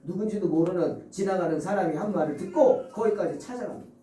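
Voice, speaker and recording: A man preaching a sermon as a pastor, animated, acting out scenes and asking the congregation questions. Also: high-pitched, fast talker, echoey room, distant mic, slight background noise, poor audio.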